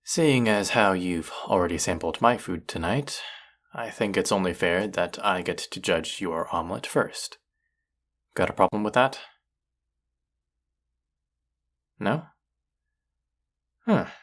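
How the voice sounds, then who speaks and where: Casting: male actor as arrogant chef with a low voice, sardonic and needling, secretly fond of his rival, for intimate audio roleplay. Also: animated, unhurried, pauses often, fairly bright tone, exaggerated voice. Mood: teasing, defensive. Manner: teasing, sardonic, condescending. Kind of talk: intimate audio roleplay acting addressed to listener.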